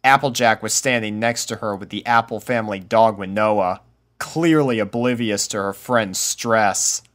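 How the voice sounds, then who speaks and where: A man's voice: on the low side, a little slow, a bit bright. A man reading a scripted story aloud as the narrator of fan fiction.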